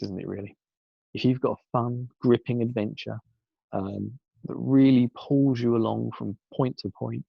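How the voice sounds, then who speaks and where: A hoarse man with a sore throat, chatting casually in a rambling, self-correcting way. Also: lowish voice, no echo. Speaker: podcast guest segment presenter. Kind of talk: casual pre-recorded segment. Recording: dull lo-fi dry recording.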